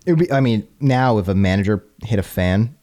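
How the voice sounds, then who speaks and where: A man hosting a casual history podcast, chatty and quick to laugh. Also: fairly low pitch, lively intonation, darkish tone. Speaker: podcast host.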